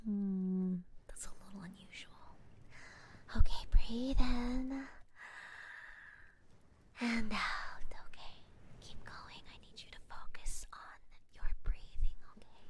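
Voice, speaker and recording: A woman playing a gentle, caring witch healer in a soft-spoken ASMR roleplay, whispering soothingly and deliberately, close to the microphone. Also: on the high side. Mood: calm, attentive.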